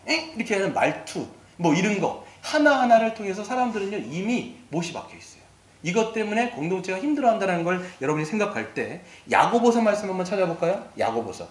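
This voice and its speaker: Animated high-voiced pastor, echoey church. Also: male voice. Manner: lively and animated, acting out quoted attitudes. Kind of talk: sermon. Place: church sanctuary.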